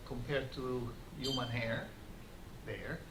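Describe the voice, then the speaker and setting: A man giving an academic lecture with slides, explaining in a halting way and often repeating words. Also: mid-range voice. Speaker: visiting scientist giving a colloquium lecture. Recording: roomy, noisy lecture recording from far off.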